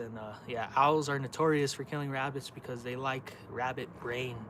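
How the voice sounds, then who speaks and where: Against noticeable background noise, a man of medium pitch talks at a moderate pace in a flat monotone. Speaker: live streamer building animal enclosures. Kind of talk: casual live stream chat. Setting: outdoors. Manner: halting, loses words.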